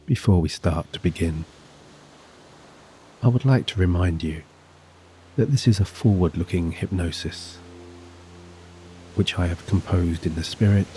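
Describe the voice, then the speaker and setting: Very deep, dark-voiced man guiding sleep hypnosis. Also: a little hiss or hum. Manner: soothing, gentle, measured with long pauses. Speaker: hypnosis and meditation narrator. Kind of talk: guided sleep hypnosis, scripted narration. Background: soft relaxing music and gentle waves.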